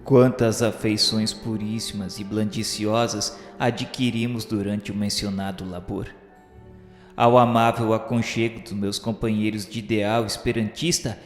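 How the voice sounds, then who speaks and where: Brazilian man narrating solemnly in echoing reverb. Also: medium pitch. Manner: formal, literary delivery. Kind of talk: solemn scripted narration of a spiritist radio novel. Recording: echoey hall-like reverb. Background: music.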